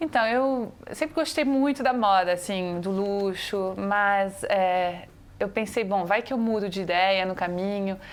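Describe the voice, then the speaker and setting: A woman speaks with a non-native accent at a fairly slow pace. Her pitch is medium, with ordinary variation. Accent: foreign accent in Portuguese. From Switzerland, Geneva. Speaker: communications executive. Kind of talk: interview. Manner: halting.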